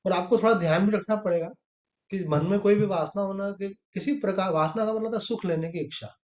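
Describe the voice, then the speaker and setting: A man's voice: high-pitched, brisk, darkish tone, echoey room. A man, a swami, giving a spiritual discourse, who asks rhetorical questions and answers them himself, using homely examples. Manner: conversational, with everyday examples and short quoted exchanges. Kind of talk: sermon on the Gita.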